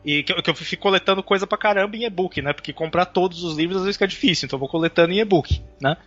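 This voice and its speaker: A man from Brazil, a guest on a podcast, talking in a relaxed, chatty way. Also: high voice, very fast. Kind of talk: casual chat. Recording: dull lo-fi audio with faint music.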